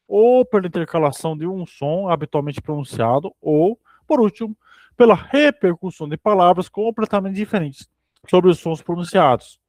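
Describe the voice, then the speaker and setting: A man reads a dense book aloud for a study group. His voice sits fairly high, and he keeps a steady pace but sometimes trips and goes back over a phrase. The recording is dry and close, with no room sound. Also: dry recording. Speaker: reader in a philosophy study group.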